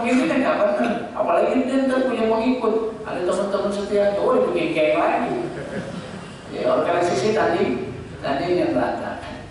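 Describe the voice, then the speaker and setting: A man's voice: high voice, background noise. A man preaching, telling stories and acting out the people he quotes, recorded in a mosque. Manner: lively storytelling, acts out quoted speakers. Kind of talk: sermon. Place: mosque hall. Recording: echoey mosque hall from far off.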